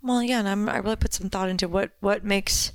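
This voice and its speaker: Female podcast co-host, mid-pitched voice, dry studio sound, playful chatter. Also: steady tone, brisk, clear, resonant tone, no echo. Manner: chatty, laughing and teasing. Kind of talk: casual chat.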